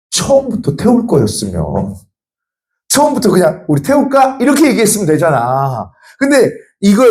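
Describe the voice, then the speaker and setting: A male teacher in his thirties telling students a personal story, acting out both sides of the dialogue. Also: high voice. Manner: animated, acts out both sides of a quarrel. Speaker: social studies teacher.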